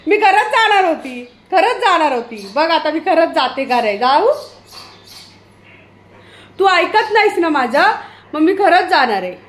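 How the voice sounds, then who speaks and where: A woman, talking casually at home and loudly scolding and calling to her pet dog. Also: extremely high pitch, big pitch swings, unhurried, long pauses. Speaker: pet vlogger. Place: home, indoors. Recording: echoey room, faint background noise.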